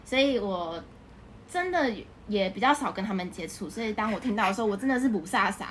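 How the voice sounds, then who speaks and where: A woman's voice: medium pitch, expressive, a little fast, slight background noise. A young woman with a Taiwanese Mandarin accent, an interview guest explaining things in an agreeable, casual way. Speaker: interview guest, English teacher.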